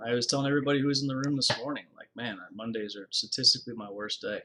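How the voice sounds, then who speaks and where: A man's bright, sharp tone at a very fast pace, with fairly even intonation. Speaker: futures trader streaming live trades. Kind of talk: live trading commentary. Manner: quiet.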